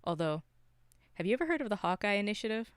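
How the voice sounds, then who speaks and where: A podcast co-host from Canada with a clear, smooth voice, recorded close and dry. The talk is casual and slangy, with opinions given freely. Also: medium pitch, big pitch swings, fast talker, no room sound. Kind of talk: casual chat about movies.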